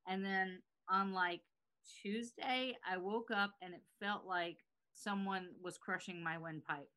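Female podcast host, American with a slight Southern trace, mid pitch, bright voice, conversational. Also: steady tone, unhurried, clean tone. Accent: American, faint Southern. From South Carolina, US. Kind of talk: casual chat.

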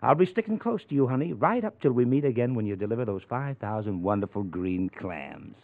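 Through the thin band of a vintage radio broadcast comes a cocky American ex-convict. He swings freely up and down in pitch, flirting and needling with slangy, sardonic wisecracks. It is 1940s crime drama, opportunistic and streetwise. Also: very animated, a little fast, gravelly, dry recording. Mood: smug, menacing. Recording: muffled narrow-band old radio recording.

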